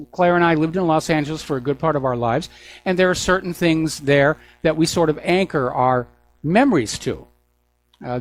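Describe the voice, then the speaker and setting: The audio is poor as an older American political talk show host delivers an opinionated monologue. His pitch sits on the high side, and his phrasing is deliberate and broken up by pauses.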